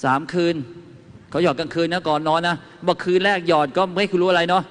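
A man with a fairly high, fairly bright voice and fairly even intonation speaks briskly to a live audience about home remedies. His folksy, chatty talk mixes anecdotes with questions tossed to listeners, recorded in a reverberant hall.

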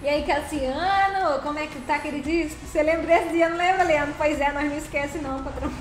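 A woman's voice: high voice, quick pace, reverberant, faint music behind. A woman hosting a casual live stream while playing a game, chatty and thanking viewers by name.

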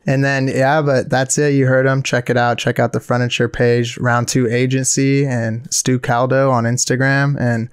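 Flat-voiced, laid-back male podcast host. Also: mid-range voice, normal speed, few pauses, clear, resonant tone, no echo, studio quality. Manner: laid-back, agreeable, lots of "like" fillers. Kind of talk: casual interview chat.

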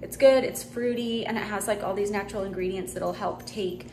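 A raspy-voiced woman in her thirties talks to her camera at home, easygoing and chatty. Her pitch sits in the usual middle range for a woman, and she drifts through thoughts with relaxed fillers. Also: fairly quick, background noise. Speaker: vlogger. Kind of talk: casual vlog chat to camera. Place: home rooms and outdoors at a cemetery.

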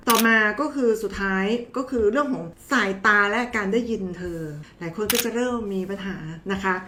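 A woman's voice: fairly high pitch, fairly quick, noisy background. A woman doctor giving a casual, chatty health explainer, talking to viewers in a familiar, teasing way. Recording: roomy echo.

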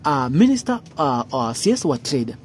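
A man with a Kenyan accent giving informal news commentary in an emphatic, halting way, repeating phrases. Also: mid-range voice, big pitch swings, slight background noise. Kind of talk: informal news commentary mixing English and Swahili.

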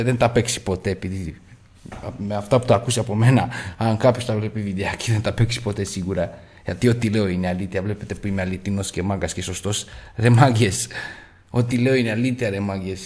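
A man's voice: fairly low pitch, steady tone. Brash swearing Greek slot streamer man. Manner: boastful, brash, swears freely, shouts at the reels. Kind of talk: casual gambling commentary.

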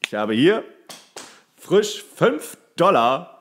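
A man's voice: fairly high pitch, sing-song, drawn-out words. A man co-hosting a podcast, chatting casually in colloquial slang and acting out quotes as he tells stories. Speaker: podcast co-host, former bartender. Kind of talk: casual anecdote chat between friends.

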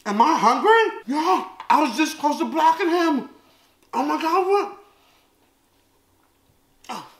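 A man's voice: extremely high pitch, expressive, slow, pauses often, a bit bright. An American man in his thirties chatting casually and comically to viewers as a vlog host, exclaiming and reacting expressively while he eats. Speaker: host of a food-tasting video. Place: large open living and dining room at home. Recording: roomy echo, clear background noise.

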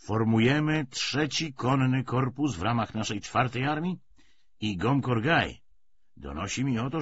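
A man's voice: mid-range voice, natural voice. A man reading an audiobook, voicing a weary, cynical, persuasive Bolshevik official with emphatic, hesitating, rhetorical speech. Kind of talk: dramatised audiobook dialogue. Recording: dull lo-fi audio, faint noise.

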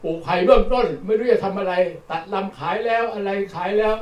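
A man's voice: high voice, darkish tone, muffled recording. An older man giving a plain-spoken workshop lecture, repeating words for emphasis, recorded from a distance at an outdoor training session. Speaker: lecturer on charcoal. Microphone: distant mic. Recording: roomy and distant with faint noise.

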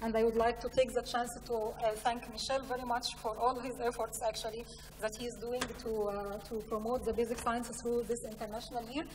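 Female conference speaker, Egyptian accent, slightly high voice, halting delivery, picked up at a distance in a reverberant hall. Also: level tone, a little mellow. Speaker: conference speaker, science programme representative. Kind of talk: conference presentation with slides. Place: large conference hall, indoors. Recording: echoey hall, distant mic, faint noise.

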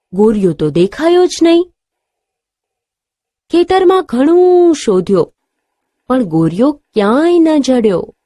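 A woman's voice: fairly high pitch, mellow, no room sound, studio quality. A woman teacher telling a story and leading a lesson for young children.

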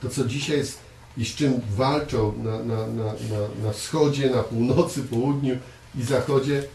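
A man preaching a conversational sermon to a small congregation, earnest, often repeating words and pausing on fillers. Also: medium pitch, fairly even intonation, creaky, warm tone. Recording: echoey room, voice from far off, faint hiss.

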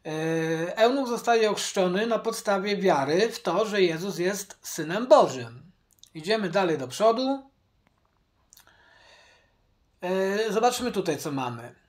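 A man teaching from the Bible, speaking deliberately, repeating his key points and addressing viewers directly. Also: high-pitched, animated. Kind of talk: Bible study commentary.

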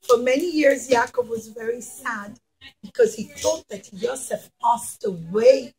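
A woman's voice: on the high side, lively intonation, unhurried, a little mellow, breathy edge, low-quality recording. A woman in her thirties telling a story to young children in simple, repeated phrases with questions to listeners. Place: small classroom, indoors. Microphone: camera a short distance away.

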